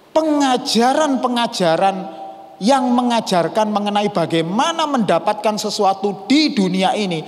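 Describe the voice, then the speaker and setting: A man with an East Javanese accent preaching a sermon as pastor, telling stories and slipping Javanese and English words into his talk. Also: high-pitched. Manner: mixes Javanese and English into Indonesian, storytelling. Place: church hall. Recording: church hall reverb.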